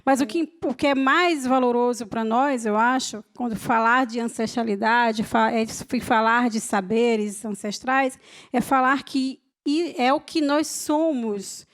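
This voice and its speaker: A woman's voice: a little high, unhurried. A woman moderating a panel discussion, speaking reflectively and often restarting her words. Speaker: moderator of the talk.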